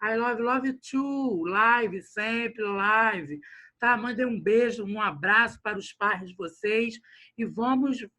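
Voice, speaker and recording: A man's voice: sits high, takes it slowly, bright, forceful tone, full character voice. A man putting on a jokey male blogger persona with mock sales patter over a video call. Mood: hyped.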